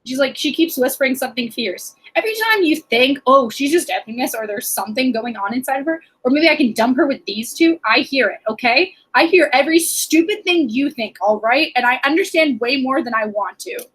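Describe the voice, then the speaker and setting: A woman's voice: high voice, expressive, fairly quick, few pauses, a bit bright, husky, rough recording. A young woman in a casual book chat, often quoting and acting out lines as she talks. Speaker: book discussion co-host.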